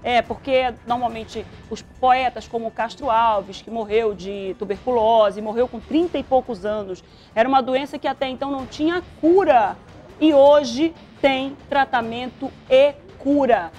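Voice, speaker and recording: A woman in her thirties with a Brazilian accent, presenting in a TV studio and explaining to viewers in an animated, chatty way while gesturing. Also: fairly high pitch, unhurried, soft background music. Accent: Brazilian Portuguese. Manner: animated, talks with her hands, addresses viewers directly.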